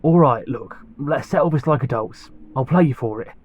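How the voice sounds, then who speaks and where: An actor playing a nervous male worker in an audio drama, reluctant and colloquial, with a slightly husky voice. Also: medium pitch, normal speed, natural voice. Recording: dull, muffled sound.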